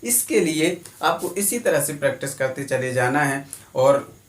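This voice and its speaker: Male teacher, fairly high voice, repetitive drilling lecture, echoey room, far from the mic. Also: animated, a little slow, slight background noise. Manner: drilling, repetitive question-and-answer. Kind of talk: classroom lecture.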